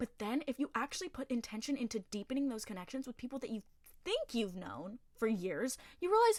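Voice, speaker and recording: Loud and animated, a woman with an American accent talks at a high pitch and a fairly quick pace, with very wide pitch swings. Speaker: podcast host. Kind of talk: casual chat.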